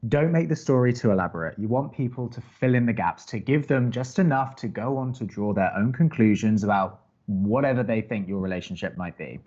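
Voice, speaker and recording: A man's voice: mid-range voice, animated, fairly quick, hardly any pauses, a little mellow, muffled recording, close to an everyday voice. An actor playing a skeptical, guarded young man who co-hosts college radio in an audio drama, with a hesitant, wry way of talking. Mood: earnest, cautioning. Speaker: college radio co-host and advice-giver. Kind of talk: naturalistic audio drama acting.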